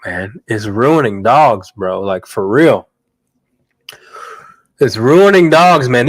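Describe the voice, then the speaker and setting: A man hosting a live dog training Q&A, talking bluntly and directly in slangy speech, stuffy from a cold. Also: medium pitch. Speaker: dog trainer and show host. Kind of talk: live Q&A stream.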